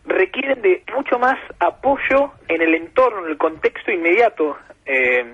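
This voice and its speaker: Husky Argentine man on a phone line. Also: sits high, expressive, moderate pace, a bit bright. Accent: Argentine Spanish. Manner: patient, professorial, builds points with examples. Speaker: guest expert. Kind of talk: explanatory radio interview. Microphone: telephone. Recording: muffled phone line on radio.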